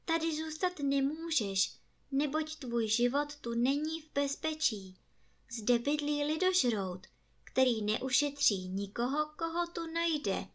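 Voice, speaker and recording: A woman's voice: sits high, lively intonation, voice pushed up. A woman voicing a frightened young maiden in a storybook reading, anxious and pleading. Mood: fearful.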